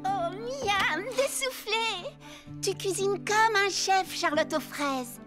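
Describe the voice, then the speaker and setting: A woman's voice: very high-pitched, expressive, slow, heavily acted. A woman voicing a cheerful, polite and eager girl who helps others, in a children's cartoon dub. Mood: enthusiastic. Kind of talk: animated children's cartoon dubbing. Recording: music bed behind the voice.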